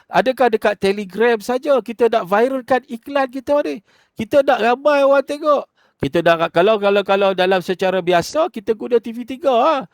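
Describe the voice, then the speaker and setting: A man with a Malaysian Malay accent and a notably high speaking voice, explaining sales steps to trainees. He talks conversationally, often pausing on fillers and restarting words. The sound is dry and close, with no room echo. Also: expressive. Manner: conversational, explains step by step, many fillers and self-corrections. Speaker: online marketing trainer. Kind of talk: instructional talk.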